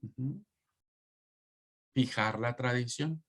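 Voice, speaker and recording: A man teaching a Bible history class, speaking slowly and haltingly, repeating words and addressing students as brothers. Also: mid-range voice. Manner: slow, halting, repeats words and asks rhetorical "¿no?"; calls listeners "hermanos". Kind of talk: online class lecture.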